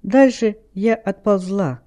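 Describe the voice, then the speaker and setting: A man's voice: high-pitched, slow, dark tone, voice pushed up. A man voicing an upset young girl who pleads for help finding her father. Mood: plaintive.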